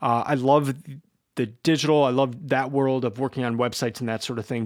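The recording is very clean, with a silent background. A man's medium-pitched voice carries fairly even intonation. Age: 40s. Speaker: podcast host. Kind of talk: solo podcast monologue. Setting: studio. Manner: halting, many repeated words.

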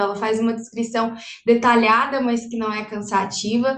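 Noticeable background noise and audible room echo surround this recording. A woman with a fairly high pitch speaks at a moderate pace. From Minas Gerais, Brazil. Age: 20s. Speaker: podcast guest. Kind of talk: casual chat.

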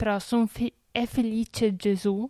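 A woman's dark, mellow, monotone voice with flat intonation, in a dry, close sound with no echo. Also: very clean recording, silent background. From Emilia-Romagna, Reggio Emilia. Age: 20s. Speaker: consecrated lay member of a religious community. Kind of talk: testimony. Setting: at the community's center.

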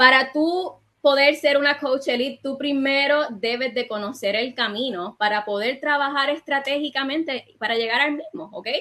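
In a raised, projected voice with a bright, sharp tone, the speaker keeps a moderate pace with hardly any pauses. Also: woman, high pitch for a woman, ordinary pitch variation. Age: 20s. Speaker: network marketing coach. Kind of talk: motivational talk. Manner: energetic.

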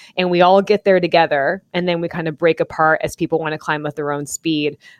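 A woman speaks with a General American accent and an unremarkable speaking voice. Her pitch is fairly low, with ordinary pitch variation. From Phoenix, Arizona. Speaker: competitive triathlete. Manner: casual, filler-heavy.

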